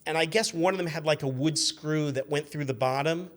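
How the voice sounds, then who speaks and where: A man in his fifties telling casual anecdotes as a guest, in an animated, rambling way, acting out what people said. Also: a little high, a little fast. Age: 50s. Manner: animated, rambling, acts out remembered quotes.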